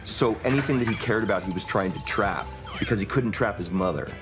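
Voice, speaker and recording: A man's voice: lowish voice, lively intonation, a little fast. A man giving casual, explanatory interview commentary. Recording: music behind the voice.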